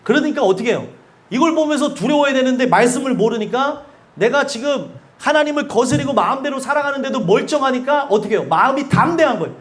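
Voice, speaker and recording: Talking fast with lively intonation, a male pastor preaches in a church sanctuary. His voice is unusually high, a bit bright, and ranges widely in pitch, and he keeps posing questions to the congregation and laughing between points.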